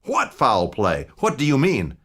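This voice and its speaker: Dude doing a formal lawyer type, proper and measured but shaken. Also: male voice, medium pitch, wildly swooping pitch, a bit bright, voice pushed up, full character voice. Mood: alarmed formal. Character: startled middle-aged male lawyer, measured but alarmed.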